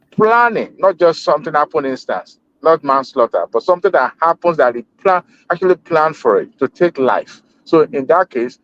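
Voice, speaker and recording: A man speaks through a group voice chat connection, so his voice comes through dull and lo-fi. He sits at a middle pitch and argues in a measured way, pausing often on hesitation fillers. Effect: heard over a group voice chat connection. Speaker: panel discussant. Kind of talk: debate on a group call. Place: at home in Texas. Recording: dull lo-fi online call audio.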